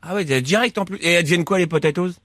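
A man's voice: high voice, rapid-fire, a bit bright, no room sound. A man co-hosting a radio show, joking around in casual banter. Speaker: radio co-host.

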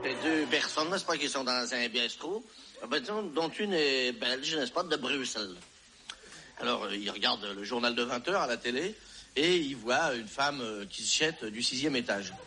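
A man's voice: medium pitch, animated, moderate pace, pushed and bright. A man telling a joke in a rambling way, with many fillers and restarts. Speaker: joke teller. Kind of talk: telling jokes aloud.

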